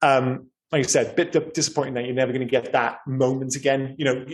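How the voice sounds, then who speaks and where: A man's voice: medium pitch, fairly even intonation, fast talker. A man from Wales with a Cardiff accent, co-hosting a casual film podcast and talking over a remote call, chatty and prone to swearing and doubling his words. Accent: Cardiff Welsh. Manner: chatty, swears freely, stammers on repeated words. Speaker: podcast co-host.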